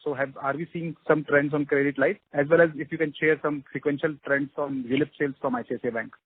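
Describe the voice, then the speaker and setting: A quick-speaking man with a slightly high voice calls in as an analyst. He is deferential and stumbles a little, on a thin phone line with faint noise. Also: steady tone. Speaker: analyst caller. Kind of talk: asking questions on earnings call. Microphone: telephone.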